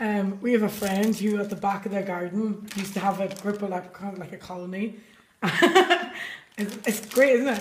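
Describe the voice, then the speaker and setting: A woman with an Irish accent talks at a fairly quick pace. Light background noise is audible. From Ireland. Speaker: storyteller spinning a tall tale. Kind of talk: casual conversation. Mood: playful, mock-serious. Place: home room. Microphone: phone near.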